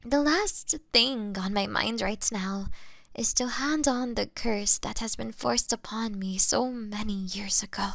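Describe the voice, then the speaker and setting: A gentle vampire woman, acted by a female performer in an intimate audio drama, speaks slowly and formally in a fairly high, breathy voice that often drops to a whisper. She is apologetic yet straining against bloodlust. The recording is close and dry. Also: no echo. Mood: gentle, regretful.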